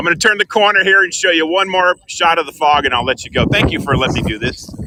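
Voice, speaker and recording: Against noticeable background noise, a man talks very fast at a high pitch. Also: lively intonation. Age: 60s. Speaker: community college student, caller. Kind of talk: casual chat.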